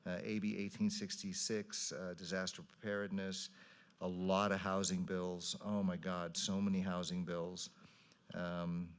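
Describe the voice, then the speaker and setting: A man with a very deep voice reports informally at a council meeting. His pitch barely moves, staying low and level, while his wording is blunt and exasperated. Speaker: elected city council member.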